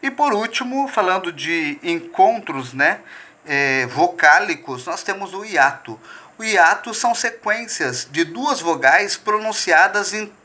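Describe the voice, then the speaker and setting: Slow, deliberate male grammar teacher. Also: sits high, animated, bright, forceful tone. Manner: slow, deliberate, stretches out example words; often adds "né?" tags. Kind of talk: recorded grammar lesson.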